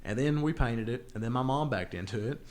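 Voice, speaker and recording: A man's voice: mid-range voice, brisk, darkish tone. Blunt man swapping stories. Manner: blunt, joking, salty-tongued. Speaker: podcast host. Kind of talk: casual banter and storytelling among friends.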